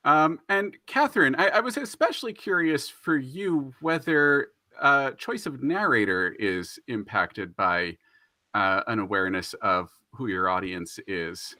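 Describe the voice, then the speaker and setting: A man's voice: medium pitch, expressive, unhurried, bright, forceful tone, no room sound. A man moderating a panel conversation, phrasing his questions in a thoughtful, hesitant way.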